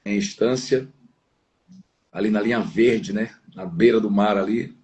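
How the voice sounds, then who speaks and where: Deep-ish guy from northeast brazil, pastor chatting casually on an online interview. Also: unhurried, darkish tone. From Sergipe, northeastern Brazil. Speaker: pastor, podcast guest. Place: at home, downstairs, on an internet call.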